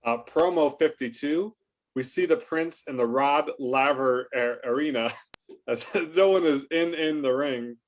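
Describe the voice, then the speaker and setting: A man's voice: medium pitch, measured pace. A man reading stage directions in an informal, amused way for a casual staged reading.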